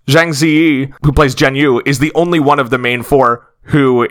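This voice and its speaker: A young man co-hosting a casual film podcast, chatty and animated as he tells stories. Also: medium pitch, normal speed. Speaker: podcast co-host.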